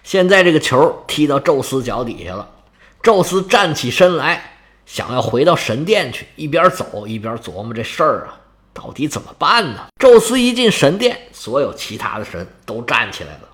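A man narrating a myth in a lively, colloquial storytelling style with chatty asides. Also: medium pitch, normal speed.

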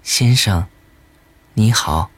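A man voicing an eerie, sly young woman selling door to door, soft and hushed. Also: fairly low pitch, drawn-out words, slightly rough, heavily acted.

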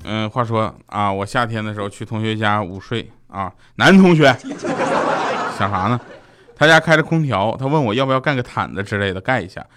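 Over a noisy background, a radio host with a fairly low, expressive voice rattles off a string of short jokes at a brisk pace. He plays it for laughs in a comic monologue, acting out the quoted voices.

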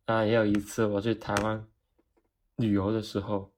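A man from Hong Kong speaking Cantonese-accented Mandarin, telling comedic personal stories in an animated, self-mocking way and acting out the dialogue. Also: fairly low pitch, moderate pace, a little hiss or hum. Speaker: vlogger.

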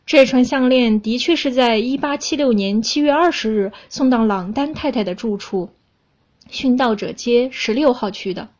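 A woman's voice: fairly high pitch, normal speed, a little mellow, dull audio, close to an everyday voice. A woman voicing a businesslike male jeweler who speaks firmly and matter-of-factly in a storybook telling. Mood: suspicious.

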